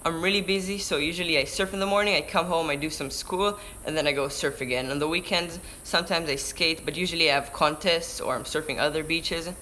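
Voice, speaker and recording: Speaking fairly quickly with hardly any pauses, an Israeli teen surfer vlogger with a Hebrew accent livestreams indoors by a window, chatting, reading out viewer questions and often restarting words partway. His slightly high, steady voice sounds pushed and bright, and the camera-mounted shotgun mic yields a low-quality recording with slight background noise.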